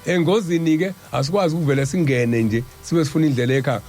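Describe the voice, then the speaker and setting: Casting: South African male pastor in debate, very quick delivery, somewhat high pitch. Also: a little mellow, faint music behind. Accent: South African Zulu-speaking. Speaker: pastor, radio guest.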